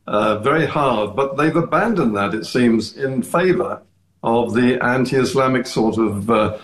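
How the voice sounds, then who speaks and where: A man joins a radio discussion as a guest, with a mid-pitched voice. He speaks in measured, deliberate phrases and stays firm. His voice carries a roomy echo. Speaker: studio guest.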